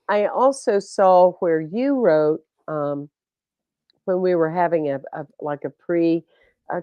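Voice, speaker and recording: A woman's voice: low voice, clear, resonant tone, no room sound, highs cut off. A woman hosting a talk show, chatting with a guest in an emphatic way about her spiritual outlook. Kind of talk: interview chat.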